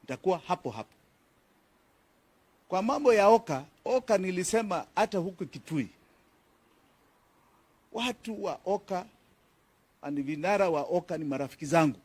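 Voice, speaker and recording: A man's voice: sits high, a little mellow. A man with a Kenyan accent, a politician answering reporters' questions at a press conference in a firm, emphatic way, repeating key phrases.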